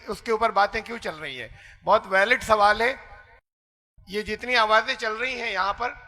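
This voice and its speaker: A male preacher lectures in a very high, intensely sharp voice. He is insistent and argumentative, piling up rhetorical questions. His words ring with the long reverb of a large hall. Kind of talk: public lecture answering a question.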